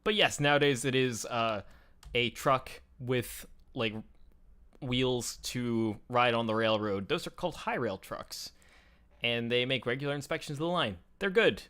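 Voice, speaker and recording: Clear-voiced man chatting casually. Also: medium pitch, unhurried, a bit bright. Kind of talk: casual chat with explanations.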